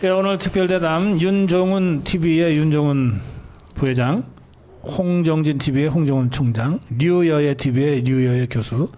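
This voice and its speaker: A man's voice: on the high side, normal speed, dark tone, a little hiss or hum. A man in his sixties hosting a political talk show, giving brief, formal introductions. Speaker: host.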